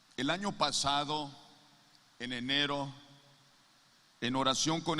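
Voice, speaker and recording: In a room with audible echo, a man with a fairly high pitch and a bright, sharp tone talks at a very slow pace. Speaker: preacher. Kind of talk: sermon.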